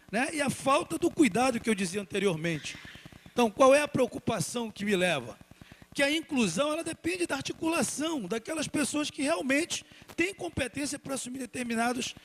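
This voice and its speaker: A woman with a Brazilian Portuguese accent speaking on a conference panel, earnest and formal, often adding little tag questions. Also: a little high.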